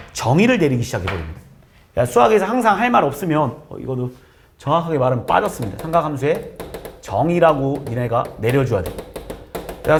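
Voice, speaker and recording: A man's voice: fairly high pitch, a little hiss or hum. A man teaching a math class, talking casually and directly to his students and acting out their answers.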